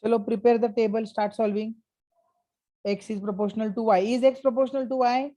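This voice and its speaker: Mellow South Asian woman teaching maths. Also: a little high, steady tone, brisk. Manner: stern, prodding, repeatedly checks for answers. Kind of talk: interactive maths lesson.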